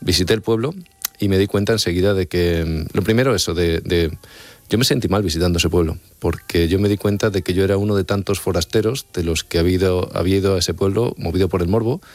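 A man from Extremadura with a very low voice, talking quickly as an interviewed author. He lays out his points earnestly and keeps checking in with the listener. The sound is dry and close. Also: steady tone, darkish tone, no echo. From Extremadura, Spain. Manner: explanatory, earnest, often checks in with "¿vale?". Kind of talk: radio-style interview answers.

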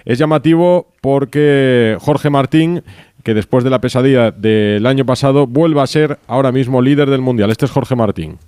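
A man hosting a radio sports show, passing to reporters and reading headlines in a brisk, conversational way. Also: medium pitch, darkish tone, clear, resonant tone, no room sound, studio quality. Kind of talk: studio radio sports news.

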